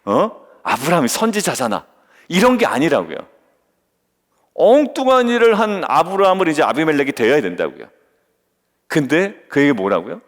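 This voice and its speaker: A male pastor delivers an early-morning sermon in a fairly high, animated voice that rises and falls as he questions his listeners. He slips into the voices of the people he quotes. The sound rings with the long reverb of a church hall. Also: moderate pace, pauses often. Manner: lively, questioning the congregation and acting out quoted voices. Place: church sanctuary.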